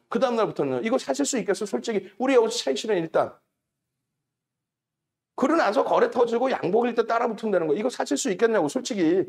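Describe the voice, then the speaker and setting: A man's voice: high voice, darkish tone. A middle-aged man hosting a stock market show, lecturing on charts and stock prices in an emphatic way, repeating key numbers and mocking rivals.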